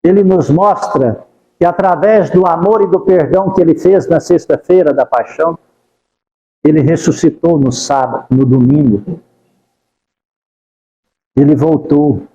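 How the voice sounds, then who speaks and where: A man's voice: on the high side, a little slow, pauses often, mellow, reverberant, big-room sound, highs cut off. A man giving a devotional talk at a spiritist center, speaking fervent, pleading prayers and repeating the name of Jesus. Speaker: spiritist lecturer.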